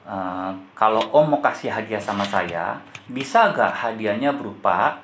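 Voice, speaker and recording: A man preaching in a church, voicing a devout young girl who pleads and prays in his own low voice, heard in an echoey hall. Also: expressive, measured pace, a bit bright, a little hiss or hum. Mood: pleading. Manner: pleading, disappointed prayer.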